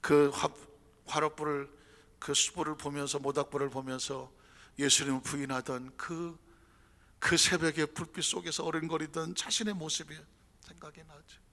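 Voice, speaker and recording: A male pastor preaching a sermon, dramatic, swinging from shouts to whispers and acting out quoted speech. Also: a little high, level tone, normal speed. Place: church sanctuary. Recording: church hall with long reverb.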